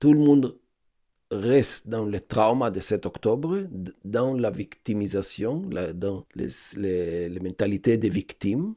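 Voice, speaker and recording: With a Hebrew accent, a man speaks very slowly at a fairly low pitch, his tone dark and mellow. His intonation is lively, and the background is quiet. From Israel. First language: Hebrew (speaking French). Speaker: anti-Zionist activist; interviewee. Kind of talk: interview. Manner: halting, searching for words. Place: home room.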